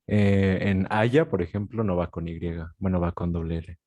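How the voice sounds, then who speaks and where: A man's voice: low voice, flat delivery, moderate pace, warm tone, lo-fi sound. A young man, a student answering the teacher with short, hesitant replies.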